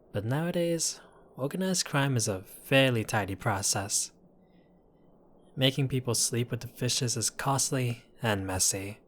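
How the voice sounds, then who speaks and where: A man's voice: fairly low pitch, a little hiss or hum. A man playing a chatty, apologetic mafia boss in an audio roleplay, talking to the listener in a wry, exasperated, placating way. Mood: apologetic, awkward. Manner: conversational, wry, placating, theatrical asides.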